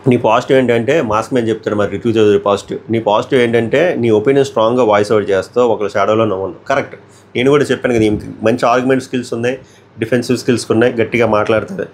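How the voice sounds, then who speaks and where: A man with a Telugu accent giving casual, opinionated commentary on a reality show, often talking straight to the contestants. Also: mid-range voice.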